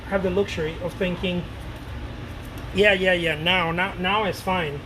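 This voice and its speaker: A man in his late thirties with a fairly high voice talks to camera in a loose, animated way, doubling back on his words and dropping the odd curse. A steady air-conditioning hum sits clearly under his speech. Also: normal speed, low-quality recording. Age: 30s. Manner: loose and animated, repeats words, swears casually. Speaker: painter talking to his viewers. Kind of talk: casual rambling talk to camera.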